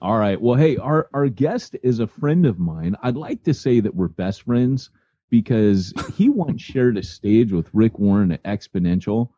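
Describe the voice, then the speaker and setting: A man's voice: lowish voice, expressive, a little slow, dark tone, no echo, muffled recording. A man co-hosting a podcast and introducing a guest in a playful, teasing way. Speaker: podcast co-host, interviewer. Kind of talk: casual podcast interview.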